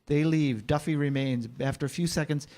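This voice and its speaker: A man serves as narrator at a staged reading, reading scripted action lines. His voice sits a little high for a man. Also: normal speed, dark tone.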